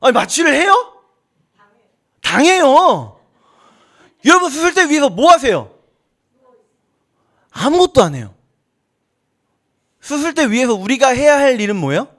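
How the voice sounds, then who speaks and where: A male pastor preaches a sermon in church in a very high, slightly bright voice. As he preaches, he acts out little dialogues with God, shifting between voices.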